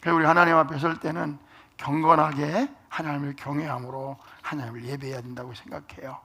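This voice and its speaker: A man's voice: fairly high pitch, level tone, brisk, creaky, bright, forceful tone. A middle-aged male pastor preaching a sermon, asking the congregation questions and dropping to near-whispers for emphasis. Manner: asks the congregation questions, calls for amens.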